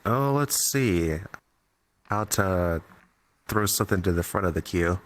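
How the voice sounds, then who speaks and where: A man's voice: deep voice, animated, a little slow. A man joking around in casual chat on a stream. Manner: jokey, wisecracking.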